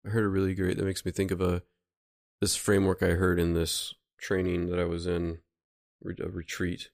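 A man with a low voice leads a thoughtful talk. He explains ideas calmly and keeps checking in with "right?" His voice has a gravelly edge. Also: normal speed. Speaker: host. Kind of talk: reflective conversation.

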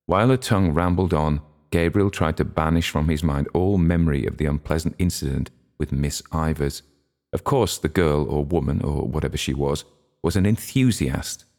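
A man reading a literary short story aloud in a measured, steady way. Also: rumbling low. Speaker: audiobook narrator. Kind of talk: literary narration.

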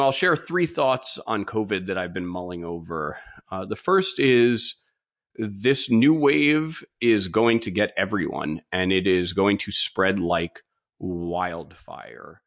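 A man's voice: on the low side, takes it slowly, a bit bright. A man with a slightly stuffy, congested nose, hosting a solo opinion podcast in an informal, opinionated, emphatic way. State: mild nasal congestion from a cold-like illness. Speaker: podcast host.

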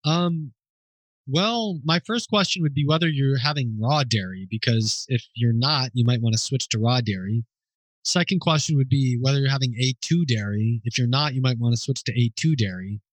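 Male host, mid pitch, dry close sound, informal unscripted Q&A delivery, hesitant and thinking aloud. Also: normal speed, dry recording, rough recording. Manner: thinking aloud, hesitant, with fillers and self-corrections; informal and explanatory. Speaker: host answering listener questions. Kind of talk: unscripted question-and-answer.

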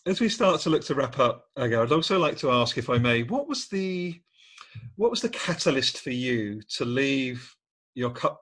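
A man's voice: medium pitch, lively intonation, normal speed, a bit bright, slightly rough. A man hosting a podcast interview, enthusiastic and complimentary, with loose, rambling phrasing. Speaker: podcast host. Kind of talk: warm interview chat.

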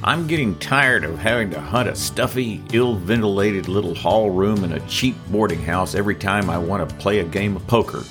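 A man's voice: sits low, moderate pace, hardly any pauses, music in the background, natural voice. A man voicing a blunt, exasperated one-legged newspaper reporter from the early 1900s who swears freely.

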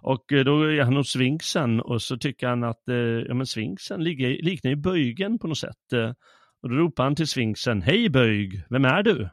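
A man's voice: mid-range voice, no echo, studio quality. A man co-hosting a literature podcast, retelling a play in amused, casual talk with many fillers. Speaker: podcast co-host. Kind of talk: casual chat about literature.

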